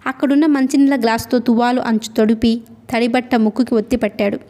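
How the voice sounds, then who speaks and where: A woman's voice: a little high, fairly even intonation, fast talker, mellow. A woman reading a novel aloud as an audiobook narrator, telling the story steadily.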